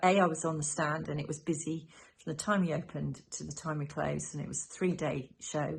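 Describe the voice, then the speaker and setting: With a Cornish accent, a woman speaks at a very deep, low pitch with vocal fry. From Cornwall, England. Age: 60s. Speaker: knitting vlogger and yarn business owner. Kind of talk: casual talk to camera.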